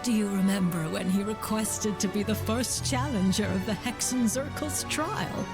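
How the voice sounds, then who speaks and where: A woman playing a knowing, authoritative female mystic in a game, speaking gravely and formally. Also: medium pitch, moderate pace, close to an everyday voice. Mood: composed, explanatory. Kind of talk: scripted game voice acting. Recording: loud music behind the voice. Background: loud game music.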